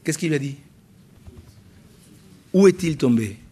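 A man's voice: on the high side, lively intonation, measured pace, mellow, husky. A middle-aged man, a pastor preaching a sermon at a church service, emphatic and repetitive, full of rhetorical questions.

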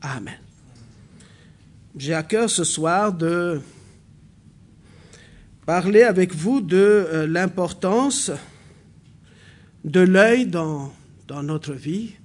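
A man from New Caledonia, whose first language is a local New Caledonian language, preaches a sermon in a church hall. His voice is a little high, and he starts off halting with fillers before building to emphatic preaching.

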